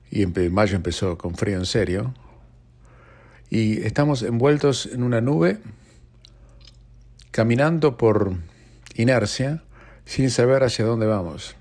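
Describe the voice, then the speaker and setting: A man's voice: lowish voice, a little mellow. A man hosting a radio news program, speaking earnestly and reflectively and addressing the listener directly.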